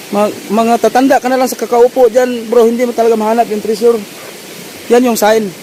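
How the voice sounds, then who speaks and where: Over noticeable background noise, a man talks at a very fast pace in an extremely high pitch with monotone, flat intonation. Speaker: outdoor explorer vlogger. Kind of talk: casual chat while exploring. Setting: outdoors by a river.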